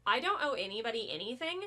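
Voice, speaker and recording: An actress playing a gullible younger sister who rambles about a bad investment and swears a lot. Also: female voice, a little high, pushed and bright. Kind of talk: comedic audio drama.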